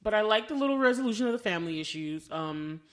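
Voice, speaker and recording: An American woman speaks very quickly in a casual, chatty film review. She is an animated co-host who slips into quoted reactions as she tells a story. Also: medium pitch. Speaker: podcast co-host.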